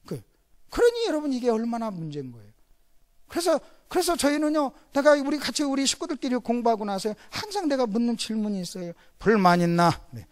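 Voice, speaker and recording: A middle-aged man with a Gyeongsang Korean accent preaching a sermon as pastor, switching between loud emphasis and hushed asides. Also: very high-pitched, very animated, quick pace.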